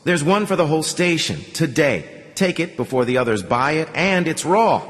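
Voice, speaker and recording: Man putting on a stubborn bearded egg seller, firm, raised high voice, long reverb. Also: very animated, normal speed. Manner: firm, haggling.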